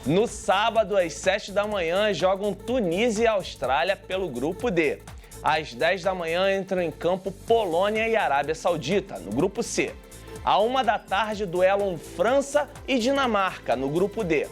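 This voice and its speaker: Brief: male TV sports reporter, high-pitched, chatty, light music under. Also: lively intonation, measured pace. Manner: chatty asides to viewers.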